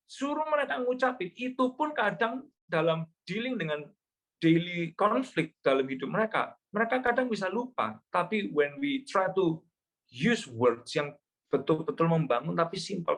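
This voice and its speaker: A middle-aged male pastor preaching a sermon, slipping English phrases into his talk and repeating key words slowly for emphasis. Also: sits high, a bit bright.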